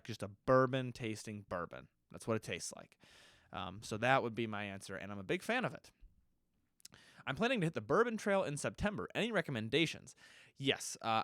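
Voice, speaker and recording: A man's voice: medium pitch, smooth, dry recording, studio quality. A man hosting a podcast who is stuffy, answering listener questions in a casual, rambling way with many fillers and restarts. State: stuffy nose. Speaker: podcast host.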